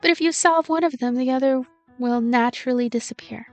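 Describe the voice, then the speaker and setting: A woman's voice: sits high, brisk, soft background music, close to an everyday voice. A woman voicing a dignified, teacher-like young woman who takes charge in a story game, reasoning in an orderly, bossy way. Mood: brisk, composed.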